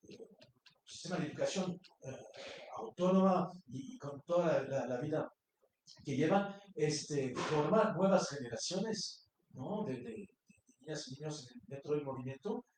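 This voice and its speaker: A man's voice: fairly high pitch, lively intonation, unhurried, a little mellow. Hesitant man in an echoing hall. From Mexico. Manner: hesitant, many fillers. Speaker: panel speaker. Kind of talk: public talk. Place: university lecture hall. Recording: echoey lecture hall.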